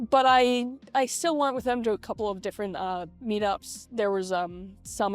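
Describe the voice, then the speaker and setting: Music plays in the background as a woman talks. Her pace is moderate, with ordinary pitch variation. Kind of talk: casual talk to camera. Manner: hesitant, rambling.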